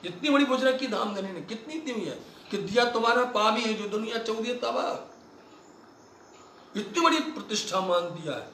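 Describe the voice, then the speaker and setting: A man's voice: high voice, lively intonation, moderate pace, bright, forceful tone, slight background noise. A male preacher gives a devotional sermon, chanting scripture lines and then explaining them with fervor to the gathered listeners. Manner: addresses the listeners repeatedly. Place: religious festival gathering. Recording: echoey hall, voice from far off the mic.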